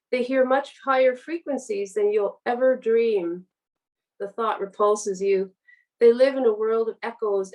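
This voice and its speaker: A woman's voice: a little high, a little mellow, far from the mic, rough recording. A woman guest author speaking on a literary podcast. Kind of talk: literary reading and podcast conversation.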